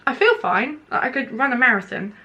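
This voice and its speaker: This beauty vlogger talks fairly quickly in a high, sharp, expressive voice, with slight background noise from her home, where a window is open. She's a young woman doing a laid-back makeup review mid-application, sounding stuffed up and hoarse from hay fever. She rambles chattily, leaning heavily on "like."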